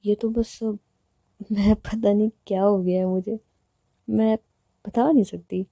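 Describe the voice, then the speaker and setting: A woman's voice: medium pitch, fairly even intonation, takes it slowly, gravelly, mellow, no room sound, clean studio sound. A woman voicing a playful, teasing young woman in love who coaxes and plays with words. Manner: teasing, coaxing, wordplay.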